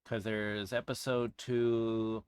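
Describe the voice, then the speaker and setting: A man giving casual, rambling commentary as a game streamer, halting and searching for words, often trailing off mid-thought. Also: lowish voice, little pitch movement, smooth, dry recording. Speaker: streamer reviewing a visual novel game.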